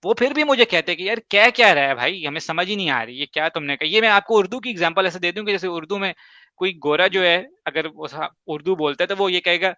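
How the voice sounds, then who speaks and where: Leaning on examples and quick asides, an emphatic host who speaks Urdu as his first language presents a casual advice talk. The recording of his bright, slightly high voice is dry, a bit dull, and free of echo.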